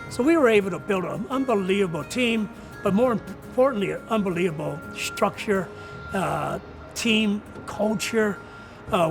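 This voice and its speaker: Older male coach in an interview: high voice with heavy fry, earnest and deliberate. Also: poor audio. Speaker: retiring college soccer coach. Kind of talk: reflective interview answers.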